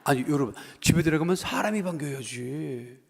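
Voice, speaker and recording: A middle-aged man preaching a folksy, joking sermon, acting out quoted voices and building to loud appeals. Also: a little high, fairly quick, creaky, crowd noise. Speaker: pastor. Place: church sanctuary. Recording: long church hall reverb.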